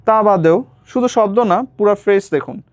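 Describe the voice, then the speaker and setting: A young man with a high voice talks at normal speed, no room sound around him. Casually tutoring a speaking lesson, he weaves English phrases into his explanations and repeats words.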